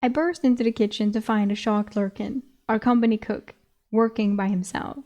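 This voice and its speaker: A woman's voice: medium pitch, fairly even intonation, normal speed, mellow. Giggly woman reading a novel aloud. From Sweden. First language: Swedish. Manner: giggly, breaks off to laugh and comment. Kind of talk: novel reading with chatty commentary.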